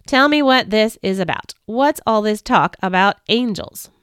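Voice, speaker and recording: A bossy white-haired old woman, put on by a woman reading a storybook, scolding in a folksy drawl with a dry, close sound. She speaks at a middling pitch and stays firmly in charge. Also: animated, a little slow, fairly bright tone, smooth, no echo.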